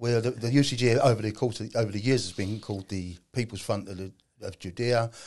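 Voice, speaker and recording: In a London accent, a man talks at a fairly quick pace with a medium pitch. His intonation is fairly even, but his loudness swings widely. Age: 50s. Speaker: taxi trade organization secretary. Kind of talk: casual chat.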